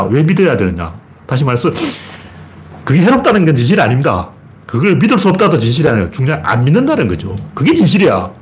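A man giving a casual spoken lecture, arguing forcefully with rhetorical questions and acting out quoted voices. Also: a little high, a little hiss or hum.

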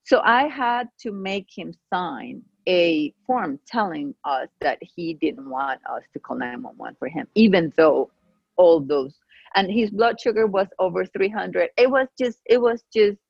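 A middle-aged woman whose first language is Spanish, a pharmacist guest telling stories in an animated way with many restarts, on a remote call. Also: mid-range voice, gravelly, husky, no echo. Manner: animated storytelling with frequent restarts. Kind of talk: casual conversational interview. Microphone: remote call microphone. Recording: dull lo-fi call audio.

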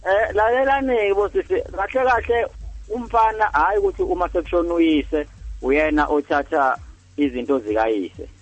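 A man's voice: high voice, normal speed, soft background music. A man with a Zulu South African accent explaining his opinion as a radio phone-in caller, on a dull lo-fi line. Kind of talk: explanatory opinion-giving on air.

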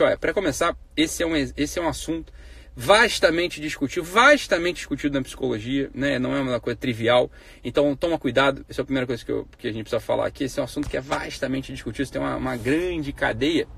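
A man's voice: mid-range voice, vocal fry, a little hiss or hum. A man hosting a live stream, giving a blunt, profane monologue on ethics full of rhetorical questions. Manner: grows heated and emphatic.

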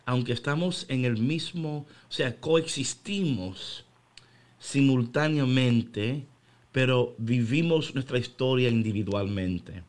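Animated man chatting on radio. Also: medium pitch, slow. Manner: animated, mixes English phrases. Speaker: radio devotional co-host. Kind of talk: casual faith chat.

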